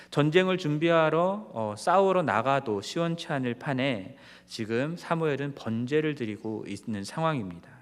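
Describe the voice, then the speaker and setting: A man preaches to his congregation at an ordinary middle pitch, speaking in measured phrases. He poses rhetorical questions and often hesitates on small filler sounds. His voice rings with the long reverb of a church sanctuary. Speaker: pastor. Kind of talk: sermon.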